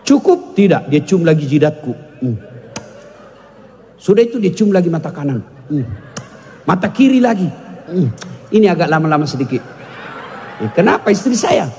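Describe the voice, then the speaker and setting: A man's voice: on the high side, very animated, normal speed, long pauses, dark tone. A man preaching a humorous sermon, joking with the audience and sometimes breaking into song. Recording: long hall reverb.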